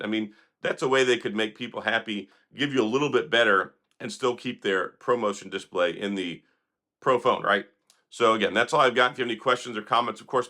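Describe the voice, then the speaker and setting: A hoarse man, sick for days, hosting an opinionated tech commentary vlog in a sarcastic, critical, rambling manner. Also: on the low side, bright, forceful tone. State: hoarse, recovering from illness. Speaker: tech video host.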